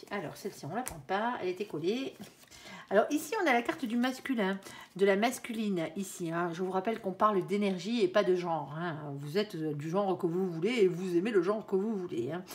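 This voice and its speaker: Woman, tarot card reader, casual reading to camera, chatty, talks straight to viewers, middle pitch. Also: a little hiss or hum. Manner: chatty, sprinkles talk with "hein" and "alors"; addresses viewers directly, calls on her angel between draws.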